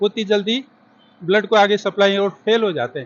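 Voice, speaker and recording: This is a man speaking. His pitch is high. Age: 70s. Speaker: retired electricity worker. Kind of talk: interview.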